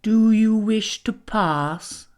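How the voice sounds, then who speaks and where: A woman's voice: mid-range voice, very slow, a little mellow. A woman voicing a sly, greedy male spider in a children's storybook, silky and cunning.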